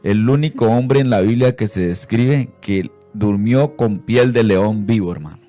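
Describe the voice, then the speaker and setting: Man preaching on christian radio, fired up, keeps saying brother and hallelujah, gets loud and high, soft music under him. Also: measured pace. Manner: fervent, repeats "hermano" and "aleluya". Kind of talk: radio sermon.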